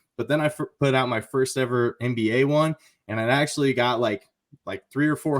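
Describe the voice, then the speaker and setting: Speaking with an American accent, a man uses a normal speaking voice at a medium pitch. His pace is fairly quick and his pitch variation ordinary. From central Illinois. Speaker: sports betting YouTuber, guest. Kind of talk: casual podcast interview.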